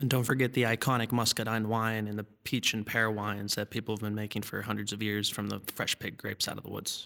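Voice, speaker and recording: A man with an American accent, fairly low in pitch, very fast and with hardly any pauses, monotone and flat in intonation, bright and sharp in tone, on a very clean recording with a silent background. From western Pennsylvania, US. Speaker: junior sous chef. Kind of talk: interview.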